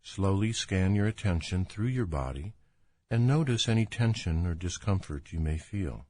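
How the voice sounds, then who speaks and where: A man leading a guided imagery relaxation as a doctor, speaking in a calm, soothing, unhurried manner. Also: low voice. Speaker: doctor guiding a relaxation exercise.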